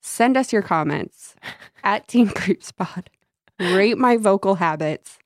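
With lively intonation and a slow pace, a woman with a mid-range voice and slight Midwestern accent co-hosts a casual podcast. She laughs often and plays with word sounds, and her braces give a faint whistle. The studio recording is clean, without echo.

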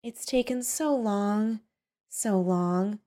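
A woman's voice: high-pitched, expressive, moderate pace, voice pushed up, exaggerated voice. Woman acting an unhinged, vengeful young woman. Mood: dreamy. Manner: dreamy quiet menace breaking into angry bursts. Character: unhinged vengeful young woman captor, dreamy then furious.

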